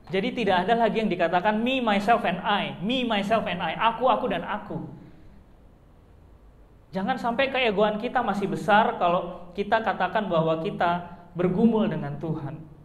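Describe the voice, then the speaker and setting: A man's voice: high-pitched, roomy sound. A young man preaching a sermon as pastor, chatty and conversational, full of fillers and rhetorical questions. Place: church hall.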